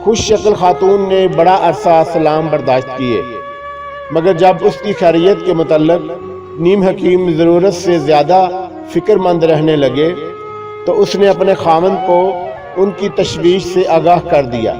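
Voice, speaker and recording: A man reading a scripted humorous moral tale in a measured, literary, mock-solemn storytelling manner. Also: high voice. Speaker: story narrator. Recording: dull lo-fi recording with music behind. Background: clear background music.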